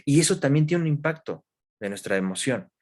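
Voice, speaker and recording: A man, a guest expert in an interview, explaining calmly with examples and questions to the listener. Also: medium pitch, a little fast. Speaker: guest expert in human development.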